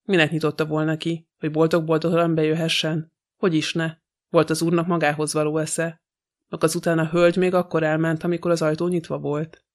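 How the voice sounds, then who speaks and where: A man's voice: on the high side, completely flat delivery, close to an everyday voice. A man reading an audiobook, voicing a sly, gossipy old female housekeeper who talks with scorn. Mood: grumbling. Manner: grumbling, scornful.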